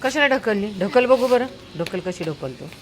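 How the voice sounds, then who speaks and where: A woman's voice: mid-range voice, animated, moderate pace, a crowd in the background. A woman chatting casually while walking a dog outdoors on a sunny street, calling out in a coaxing, sing-song way to a toddler and the dogs. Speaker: dog owner vlogger.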